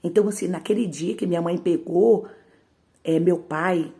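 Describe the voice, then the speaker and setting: A woman, a missionary singer, gives an emotional testimony to a church congregation. She moves between hushed, trembling storytelling and loud, pleading outbursts, repeating phrases and leaning on tag questions. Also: on the low side, moderate pace, vocal fry.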